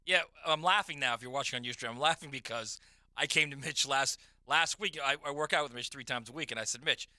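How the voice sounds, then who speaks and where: A man co-hosting a radio show, chatting and asking quick follow-up questions. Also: medium pitch, bright, forceful tone, dry recording. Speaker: radio co-host. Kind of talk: casual radio chat. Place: radio studio.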